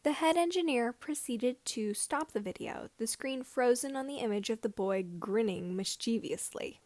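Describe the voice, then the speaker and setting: A woman with a fairly high voice reads a story aloud as narration. Her phrasing halts a little here and there. The sound is dry, with hardly any room to it. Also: a little mellow, dry recording. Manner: somewhat halting phrasing. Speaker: podfic reader. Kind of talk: fan fiction audiobook narration.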